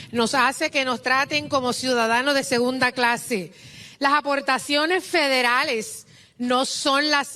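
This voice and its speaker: A high-pitched woman with a Puerto Rican accent delivers a rousing rally speech outdoors. Her voice is bright and ringing, and she speaks slowly, leaning on each phrase. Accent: Puerto Rican Spanish. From Puerto Rico. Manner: impassioned, rousing.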